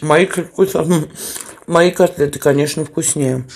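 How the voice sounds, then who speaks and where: A woman's voice: low-pitched, steady tone, a little slow, a little mellow, slight background noise. A woman vlogger chatting casually to camera with her mouth full, blunt and offhand, chewing between phrases. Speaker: mukbang vlogger. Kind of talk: casual chat to camera while eating.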